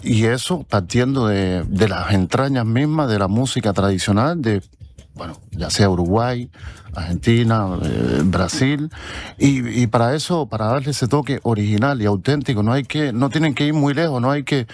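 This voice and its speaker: A man's voice: medium pitch, expressive, moderate pace, darkish tone. A Cuban man, a musician guest, explaining earnestly and at length in a casual interview. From Cuba.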